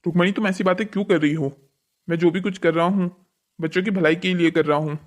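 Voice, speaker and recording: A man's voice: high-pitched, fairly even intonation, fast talker, a little hiss or hum, lightly acted. A man voicing a strict, unyielding father and husband in a cartoon story, firm and lecturing. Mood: firm, irritated. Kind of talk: scripted cartoon story dialogue.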